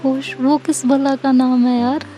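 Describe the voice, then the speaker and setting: A woman's voice: sits high, level tone, a little slow, warm tone, soft background music. Woman voicing Seerat, a smitten dreamy lover. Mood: lovestruck. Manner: poetic, lovestruck, flirtatious.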